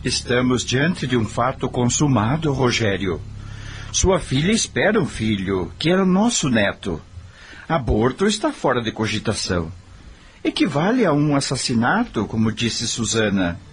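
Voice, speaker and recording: An actor playing a serene, devout businessman and grandfather-to-be in a radio soap opera, speaking in a measured, persuasive, preachy way. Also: mid-range voice, sing-song, natural voice. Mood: firm, persuasive.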